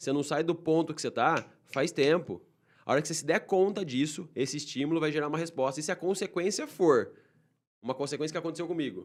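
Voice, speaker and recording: On a very clean recording with a silent background, a man with a fairly high pitch speaks at a very fast pace with ordinary pitch variation. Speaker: podcast co-host. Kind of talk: casual podcast chat. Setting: studio.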